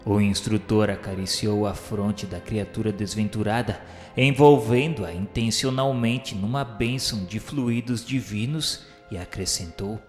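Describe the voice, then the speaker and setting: A man's voice: on the low side, unhurried, few pauses. A man with a Brazilian accent narrating a scripted radio drama in a formal, literary, solemn storytelling manner. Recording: echoey hall reverb, faint music behind.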